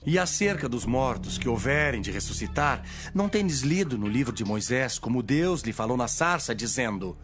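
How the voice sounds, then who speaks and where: A Brazilian man playing an authoritative teacher, measured and declamatory, in a dramatized audio Bible. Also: mid-range voice, lightly acted.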